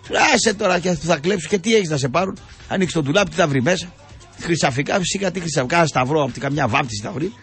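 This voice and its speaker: Sarcastic ranting radio host. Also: male voice, fairly high pitch, animated, a bit bright, husky, soft background music. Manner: indignant, sarcastic, rambling with frequent fillers.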